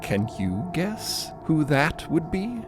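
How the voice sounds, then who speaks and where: A man narrates a scripted drama podcast in a theatrical storytelling style, his slightly high voice moving slowly with big pitch swings. Loud music plays beneath his voice.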